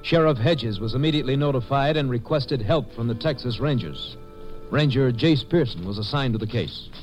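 A man's voice: mid-range voice, expressive, normal speed, dull audio. An American man narrating a 1950s radio drama as a formal, dramatic announcer. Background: music.

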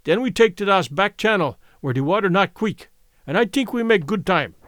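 A man's voice: sits high, animated, moderate pace, a bit bright, no room sound, clean studio sound. A man reading an audiobook, voicing a dutiful boatman. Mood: brisk. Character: French-Canadian boatman, wiry and dutiful.

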